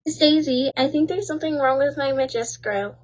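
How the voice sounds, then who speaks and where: A woman playing a snooty, short-tempered schoolgirl bully with a bossy, mocking manner in an animated roleplay story. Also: high-pitched, a little fast, natural voice. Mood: annoyed.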